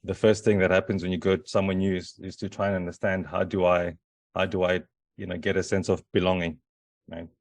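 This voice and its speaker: A man's voice: low voice, level tone, a little fast, no room sound. A middle-aged man from Zimbabwe giving a conference talk, hesitant, with many fillers and restarts. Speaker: conference presenter.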